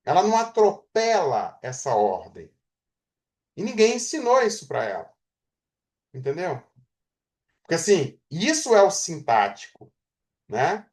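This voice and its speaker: Lively Mineiro-teacher. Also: medium pitch, a little slow, pauses often. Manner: explains with everyday examples, constantly checks in with "né?" and "entendeu?". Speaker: Portuguese teacher. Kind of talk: grammar lecture.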